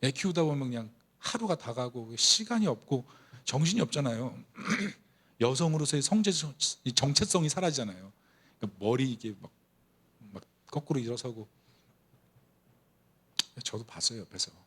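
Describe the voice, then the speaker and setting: A man's voice: medium pitch, lively intonation, moderate pace, long pauses, a bit bright, breathy edge. A middle-aged man preaching a Sunday sermon, telling a story and building to fervent, emotional emphasis. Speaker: pastor.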